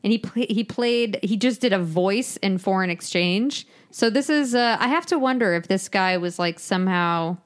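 A woman's voice: mid-range voice, moderate pace, few pauses. A woman hosting a podcast, chatting casually and telling anecdotes, acting out the lines she quotes. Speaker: podcast host.

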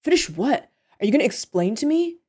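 Woman playing a panicked, high-pitched captive young man. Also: sing-song, brisk, a little mellow, slightly rough. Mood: incredulous. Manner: exclaiming, incredulous, pleading.

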